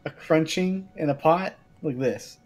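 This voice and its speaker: A man's voice: fairly high pitch, measured pace. A man playing a tabletop roleplay game, chatting casually with friends. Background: faint background music.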